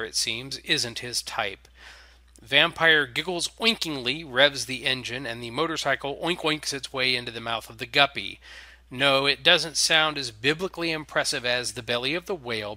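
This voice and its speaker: A man's voice: mid-range voice, pushed and bright, no echo. A man reading scripted story narration in a theatrical manner.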